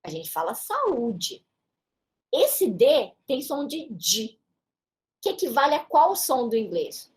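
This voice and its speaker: A woman's voice: high-pitched, big pitch swings, measured pace, a little mellow. A woman teacher with a São Paulo Brazilian Portuguese accent, explaining a lesson patiently and checking in with short tag questions. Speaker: English teacher. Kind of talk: classroom-style lesson explanation.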